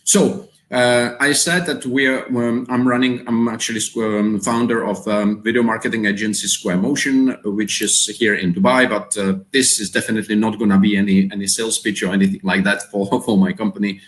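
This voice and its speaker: A man's voice: fairly low pitch, fairly even intonation, a little fast, few pauses. Czech-accented man hosting a webinar. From Czech Republic. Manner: hesitant, many fillers and repeated words. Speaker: webinar host. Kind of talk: live webinar presentation. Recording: roomy echo.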